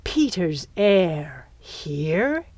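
A woman's voice: medium pitch, expressive, slow pace, a little mellow, no room sound. Woman playing a menacing, growling pirate captain. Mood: shaken, brooding. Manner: growling, hissing, commanding.

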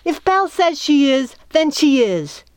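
A woman's voice: sits high, sing-song, a little slow, no room sound, voice pushed up. A woman voicing an earnest, stubborn little girl in an audiobook. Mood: insistent. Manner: insistent, wide-eyed. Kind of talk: audiobook character voice.

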